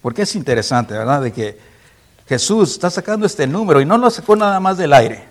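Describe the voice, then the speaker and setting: A man's voice: on the high side, very animated, brisk. A man preaching a sermon, reading scripture aloud in a raised voice and asking the congregation questions.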